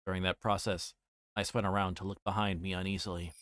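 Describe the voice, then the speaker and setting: A man's voice: low voice, flat delivery, fast, a bit bright. A man reading visual novel narration aloud on a livestream, sometimes stumbling and rereading words. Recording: clearly noisy background.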